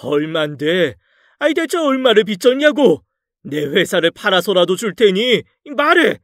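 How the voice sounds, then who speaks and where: A man voicing a proud, hot-tempered older father-in-law who shouts in outrage. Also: sits high, expressive, moderate pace, no echo, clean studio sound, pitched above the performer's own voice. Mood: furious.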